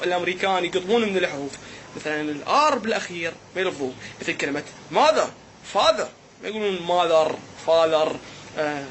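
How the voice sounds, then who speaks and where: A man's voice: high-pitched, a bit bright, slight background noise. A man with an Iraqi accent, doing a playful, joking vlog monologue to his viewers in a mock-puzzled way. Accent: Iraqi Arabic. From Iraq. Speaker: vlogger.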